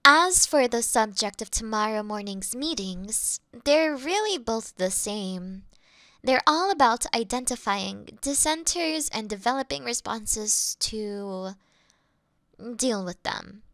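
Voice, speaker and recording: Girl doing a yandere demon servant, slow sweet talk, dry close sound, worships her mistress. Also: fairly high pitch, animated, dry recording, exaggerated voice.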